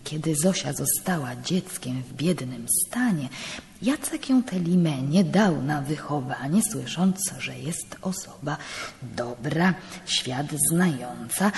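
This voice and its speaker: A woman reading a part as a scheming middle-aged priest, with a hushed, urgent manner, often dropping to a whisper. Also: deep voice, animated, slow pace, a little hiss or hum, full character voice. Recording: long hall reverb, live stage.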